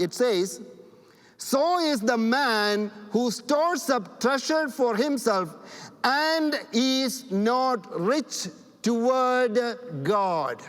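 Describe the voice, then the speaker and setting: In a room with audible echo, a man with a non-native accent speaks very slowly, his intonation lively and his loudness very even. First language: not English. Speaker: pastor. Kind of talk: sermon. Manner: halting.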